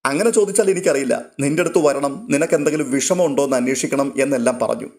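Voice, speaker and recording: A man's voice: medium pitch, quick pace, a little mellow, close to an everyday voice. A man reading a story aloud and voicing a friendly young man who teases and nudges a younger girl. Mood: teasing. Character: friendly young man, teasing older cousin.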